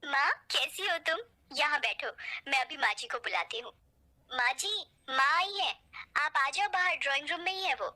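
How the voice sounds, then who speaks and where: Sweet caring young bride in a story, higher bright voice, woman doing her. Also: normal speed. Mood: polite. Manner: soft-spoken and caring. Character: gentle devoted young bride.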